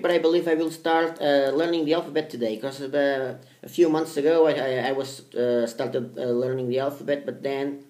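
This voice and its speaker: A man giving casual advice on language study to viewers in a halting, rambling way, with many restarts and fillers. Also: medium pitch, darkish tone. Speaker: language learning vlogger. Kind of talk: casual spoken advice to camera. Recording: echoey room.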